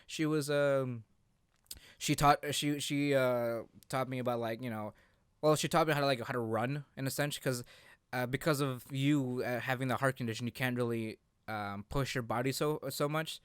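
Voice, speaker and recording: A man hosting a casual podcast chat about games, halting as he repeats and rephrases himself. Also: mid-range voice, fairly even intonation, clear, resonant tone, dry recording, clean studio sound. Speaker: podcast host.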